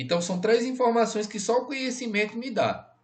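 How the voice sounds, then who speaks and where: A man's voice comes with audible room echo. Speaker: teacher. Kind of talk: lecture.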